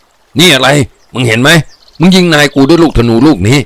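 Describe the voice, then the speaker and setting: A man voicing a ruthless, loyal young bandit lieutenant who speaks in harsh, measured commands. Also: medium pitch, lively intonation, dry recording, close to an everyday voice. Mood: menacing.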